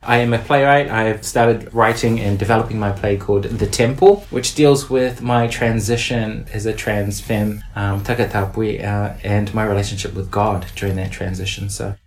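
A woman's voice: rumbling low, steady tone, normal speed, hardly any pauses, a little mellow, a little hiss or hum. A woman speaking as an interview guest, candid and reflective with a playful streak. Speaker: podcast guest, performer and playwright.

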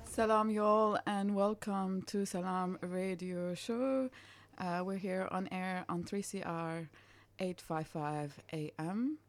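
A woman hosting a community radio show, chatting casually with a guest and filling pauses with um and yeah. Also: on the low side, steady tone. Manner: warm, chatty, many fillers like um and yeah.

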